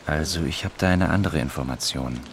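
A man playing a laconic, unsentimental stranger in a naturalistic radio drama, blunt and deadpan with a gravelly voice. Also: rumbling low, brisk, a little hiss or hum. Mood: matter-of-fact. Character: laconic, unsentimental, enigmatic male stranger, fatalistic realist.

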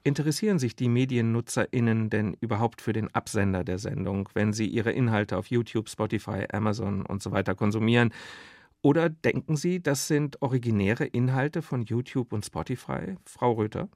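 A man's voice: lowish voice, normal speed, darkish tone, dry recording, clean studio sound. A man moderating an interview, putting prepared, formally worded questions to guests.

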